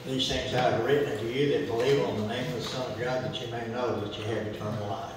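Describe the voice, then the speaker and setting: A man's voice: medium pitch, steady tone, fast talker, background noise. A middle-aged man leading a church Bible study, quoting scripture and prompting the group with questions. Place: church fellowship hall. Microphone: far camera. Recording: echoey hall from far off.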